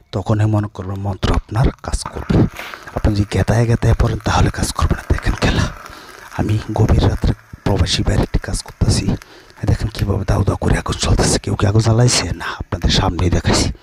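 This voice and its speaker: A man talking viewers through a ritual in an insistent, boastful way, slipping into slow drawn-out chanting. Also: lowish voice, noisy background. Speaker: self-styled spell practitioner. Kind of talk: instructional talk to viewers.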